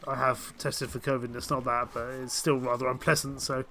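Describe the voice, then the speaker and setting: A man with a cold speaks in a croaky yet bright, forward voice. He talks his way through a strategy game in a hesitant, casual way, full of restarts and fillers. His pitch sits at an ordinary middle height. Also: flat delivery, a little fast, slight background noise. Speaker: game streamer. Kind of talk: casual gameplay commentary.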